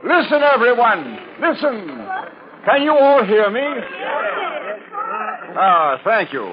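An actor playing a genial, wealthy older movie producer in 1940s radio drama style. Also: male voice, high-pitched, sing-song, slow, crowd noise, heavily acted. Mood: hearty, grateful. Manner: hearty, genial, expansive. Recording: narrow-band old radio, faint noise.

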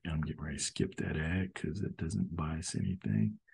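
A man's voice: low-pitched, fairly even intonation, moderate pace, creaky, darkish tone, breathy edge. A man rambling earnestly in a casual monologue, often saying "you know", as the host of a show about history. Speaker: host commenting on history videos.

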